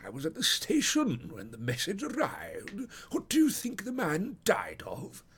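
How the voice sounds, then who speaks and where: A stout, pompous police detective in a storybook reading. The voice is husky and wheezy, drawling each phrase slowly and swooping widely in pitch. He blusters with great self-satisfaction. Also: huge pitch swings, fairly bright tone, heavily acted. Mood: pompous, condescending. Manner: pompous, drawn-out emphatic delivery. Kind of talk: audiobook character acting.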